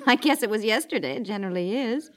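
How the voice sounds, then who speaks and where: A high-pitched American wife from a 1950s radio comedy, played by an actress. She is patient yet exasperated, a suburban mother who presses her point with insistent questions. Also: expressive, brisk, natural voice. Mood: bemused, soothing.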